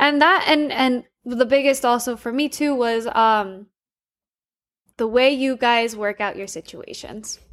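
Loud and high-pitched, a woman with an American accent speaks fairly slowly in a very clean recording with a silent background. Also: ordinary pitch variation. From United States. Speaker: podcast co-host. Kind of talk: casual chat. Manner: talkative.

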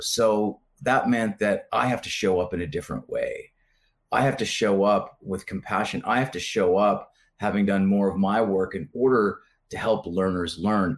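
In a very clean recording with a silent background, a plain, everyday voice moves at a moderate pace with ordinary pitch variation. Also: man, fairly low pitch for a man. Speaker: educator and author. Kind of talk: interview conversation.

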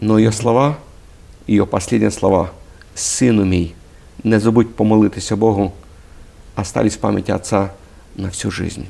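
This man's pitch is fairly low and his intonation fairly even. He leaves long, frequent pauses. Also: fairly slow pace. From Ukraine, Mykolaiv. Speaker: churchgoer sharing prayer testimony. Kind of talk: testimony.

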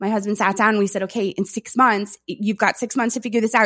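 A woman with a New York accent and a fairly high voice speaks at a fairly quick pace in a very clean recording with a silent background. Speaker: content strategist and former teacher. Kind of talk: interview. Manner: fast.

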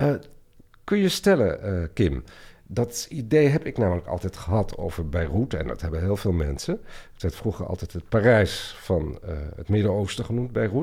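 A somewhat breathy man with a fairly low pitch, a dark, mellow tone and very wide pitch swings, on a very clean recording with a silent background. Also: moderate pace. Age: 50s. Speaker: podcast host. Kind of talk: interview.

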